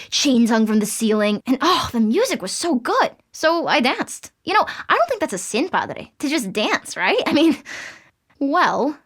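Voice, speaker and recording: Cheeky teen Latina girl, high voice, swooping intonation, rambling, dramatic, comic audio drama. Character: excitable, cheeky fourteen-year-old Latina girl. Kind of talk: comic audio fiction acting.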